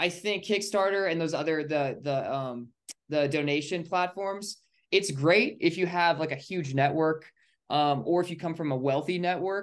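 In a normal speaking voice, a man with an American accent talks at a fairly slow pace and a fairly high pitch, with ordinary pitch variation. The background is quiet. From Oregon, US. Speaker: actor, writer and film producer. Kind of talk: interview.

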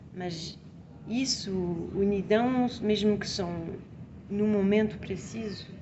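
Very slow and broken by long, frequent pauses, a woman speaks at a medium pitch. Noticeable background noise and audible room echo surround her. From Switzerland (Portuguese family). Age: 30s. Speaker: film director. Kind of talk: interview. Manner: halting.

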